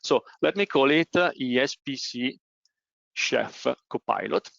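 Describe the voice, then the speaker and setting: An Italian-accented man leads a technical webinar, talking through each step and filling pauses with "uh". His voice has a gravelly edge at a middling pitch. The audio is dry and a little dull, like a call mic. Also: animated, fairly bright tone, no echo. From Italy. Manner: frequent "uh" hesitations while explaining. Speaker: presenter.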